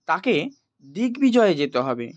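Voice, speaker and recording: A man's voice: high voice, very animated, unhurried. A man teaching in an explanatory, didactic way, as if to school students, checking that they follow. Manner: didactic, checks understanding with short questions. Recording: roomy echo, dull lo-fi sound.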